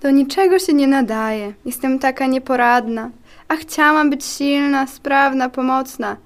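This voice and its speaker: A woman as a high-voiced, clumsy white blood cell. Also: unhurried. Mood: sad, insecure. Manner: meek, earnest. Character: clumsy, insecure, eager-to-help female white blood cell.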